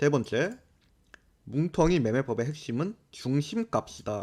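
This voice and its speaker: A fairly high-pitched man with very wide pitch swings at a fairly slow pace, in a very clean recording with a silent background. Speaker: crypto chart analysis YouTuber. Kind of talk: tutorial. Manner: self-described poor pronunciation.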